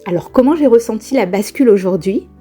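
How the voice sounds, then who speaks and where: A woman vlogger telling a personal spiritual experience in a casual, lively way, often laughing and exclaiming. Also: medium pitch, fast talker, slightly rough, faint music behind. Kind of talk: casual first-person storytelling.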